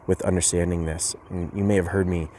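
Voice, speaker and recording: A man's voice: low voice, little pitch movement, a little fast, mellow, slight background noise. A man giving a casual youth message as a pastor, speaking hesitantly with many fillers and restarts. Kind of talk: informal youth sermon with a story.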